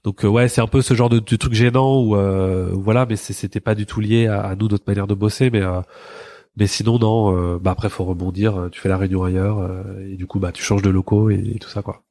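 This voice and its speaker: A man's voice: fairly low pitch, fairly even intonation, fairly quick, warm tone, no echo. A man from the Paris area, a creative agency co-founder, chatting in an interview and talking hesitantly with many fillers and restarts. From France, Paris area. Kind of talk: casual interview chat.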